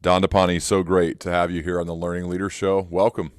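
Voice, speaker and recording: Deep-voiced male podcast host. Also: flat delivery, a little fast, smooth, no echo. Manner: thoughtful, reads quotes aloud, asks long questions. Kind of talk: interview hosting.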